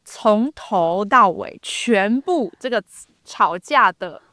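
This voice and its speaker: A woman from Taiwan who teaches Chinese, chatting casually as a podcast guest and swooping up in pitch when she quotes people. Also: slow pace, no room sound, clean studio sound. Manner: expressive, swoops up when quoting. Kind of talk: casual chat.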